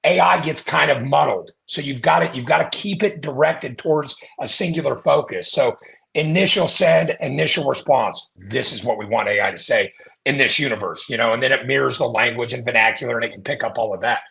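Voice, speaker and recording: Gravelly man, chatty podcast guest. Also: mid-range voice, brisk. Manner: animated storyteller, acts out quoted voices. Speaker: podcast guest, marketing company founder. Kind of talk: casual podcast conversation.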